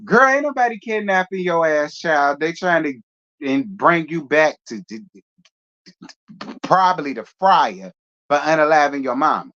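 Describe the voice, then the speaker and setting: A man's voice: a little high, big pitch swings, measured pace, a bit bright. Sassy man hosting a gossip show. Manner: sassy, chatty, laughing asides. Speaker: host. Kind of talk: casual gossip commentary. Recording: dull lo-fi.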